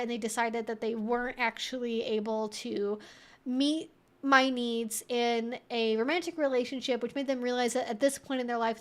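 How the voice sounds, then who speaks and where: A woman hosting a casual advice livestream, answering questions in a conversational, rambling way peppered with "like" and "you know". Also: a little high.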